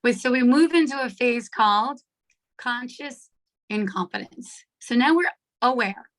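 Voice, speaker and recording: A middle-aged woman with a hoarse voice leading an online coaching workshop on a video call, chatty and checking in with her listeners often. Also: a little high, animated, a little slow, poor audio. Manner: chatty, checks in with "right?" and "okay?". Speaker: workshop leader. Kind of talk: live online coaching talk.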